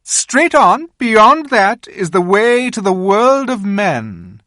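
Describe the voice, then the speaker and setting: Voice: medium pitch, big pitch swings, slow pace, pushed and bright, no room sound, clean studio sound, pitched above the performer's own voice, heavily acted. A reader voicing a cunning, imperious witch queen who coaxes and commands in a storybook reading. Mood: coaxing. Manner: coaxing, commanding. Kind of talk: audiobook reading.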